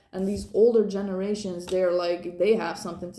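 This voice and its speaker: Speaking with a non-native accent, a woman has a dark, mellow tone and fairly even intonation, with audible room echo around her. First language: not English. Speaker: tarot reader. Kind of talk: intuitive tarot reading. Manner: halting, searches for words; casual.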